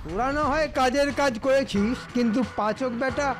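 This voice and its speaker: A greedy minister who schemes and bosses his henchmen around with a sneer, as an actor plays him. The voice is pitched fairly high, with faint music below. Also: normal speed, lightly acted. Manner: sneering, bossy. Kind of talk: cartoon voice acting.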